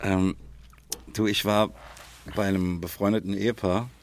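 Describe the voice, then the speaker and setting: A man's voice: on the low side, level tone, moderate pace. A man, co-hosting a casual podcast chat and often tagging phrases with a questioning "ne?". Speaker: podcast co-host, quiz poser.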